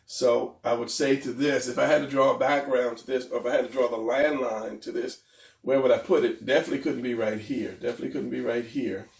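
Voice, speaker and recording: Male drawing instructor, gravelly and a bit stuffy, rambling and hesitant, recorded off-mic in a roomy space. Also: mid-range voice, fairly even intonation, a little fast, darkish tone, recorded from a distance. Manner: hesitant, rambling, self-deprecating. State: losing his voice, a little stuffy. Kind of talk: casual drawing tutorial.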